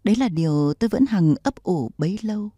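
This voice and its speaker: A woman's voice: medium pitch, animated, brisk, warm tone, husky, dry recording, studio quality. A woman reading the part of a scheming, ambitious male court official in a wheedling, smug tone, as in an audiobook.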